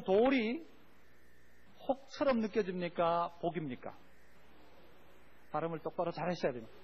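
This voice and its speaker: Male preacher, high-pitched, quizzing the congregation; muffled recording. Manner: call-and-response preaching, asks the congregation questions. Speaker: pastor. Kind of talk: sermon. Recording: dull lo-fi recording.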